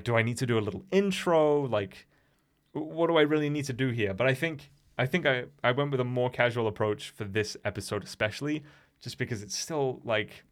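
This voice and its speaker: A man's voice: medium pitch, a bit bright. Rambling young English man, nervous. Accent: English, somewhat Americanized. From England. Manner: meandering, nervous, many restarts and fillers. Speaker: podcast host and streamer. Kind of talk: casual solo podcast chat.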